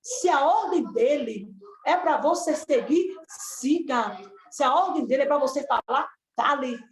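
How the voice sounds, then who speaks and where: A woman's voice: sits high, animated, a little slow. A woman preaching a fervent sermon, exhorting her listeners with repeated, rising calls. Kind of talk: Pentecostal-style sermon on a live stream. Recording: echoey room with faint noise.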